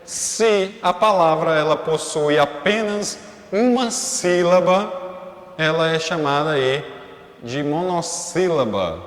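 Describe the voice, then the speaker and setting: A man's voice: on the high side, lively intonation, takes it slowly. A male teacher giving a recorded class, explaining step by step and often checking in with his students. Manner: explanatory, frequent checking fillers. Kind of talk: recorded online class lesson. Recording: echoey room with long reverb.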